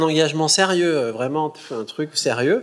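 This man has a plain, everyday voice, fairly high in pitch, with lively intonation on a very clean recording with a silent background. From France. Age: 40s. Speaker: dancer and choreographer, dance school dean. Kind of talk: public talk, conversation.

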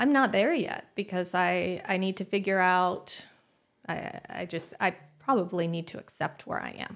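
Recorded very cleanly against a silent background, a woman uses a plain, everyday voice at medium pitch, with ordinary pitch variation and a moderate pace. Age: 50s. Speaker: podcast guest discussing a book. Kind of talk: casual chat.

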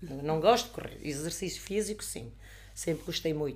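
A woman's very deep, low voice with vocal fry and lively intonation. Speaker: occupational therapist. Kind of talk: casual chat. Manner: firm, direct; halting.

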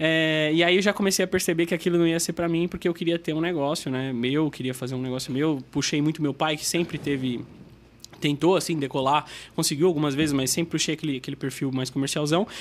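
This man speaks very fast, his fairly high pitch held to a fairly even intonation. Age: young. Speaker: company co-founder. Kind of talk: interview.

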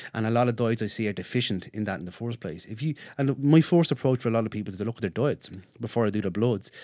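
In an Irish accent, the voice moves at a very fast pace with ordinary pitch variation. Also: man, medium pitch for a man. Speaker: fitness trainer and performance consultant. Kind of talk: expert interview.

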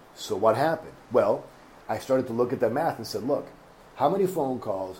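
At a fairly quick pace, a man with a medium-pitched, somewhat breathy voice speaks with lively intonation. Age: 40s. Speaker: success coach. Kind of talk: motivational monologue podcast. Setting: on a cruise ship terrace. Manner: fast talker.

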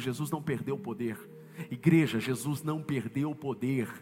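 Moderate-paced speech from a fairly high-pitched man, with ordinary pitch variation and music in the background. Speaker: pastor. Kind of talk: sermon. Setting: church. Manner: animated.

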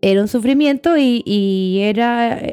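A woman speaks with a Chilean accent at a fairly high pitch. Her pitch variation is ordinary. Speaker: podcast host. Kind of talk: casual chat.

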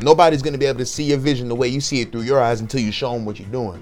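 An animated man with an American accent at medium pitch, music in the background. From Connecticut. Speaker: musician and actor. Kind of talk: casual interview. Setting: studio.

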